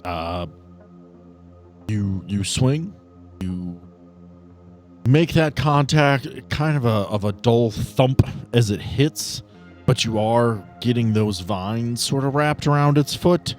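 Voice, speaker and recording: A man acting as game master, narrating a tabletop role-playing game in descriptive, deliberate detail. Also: fairly low pitch, a little mellow.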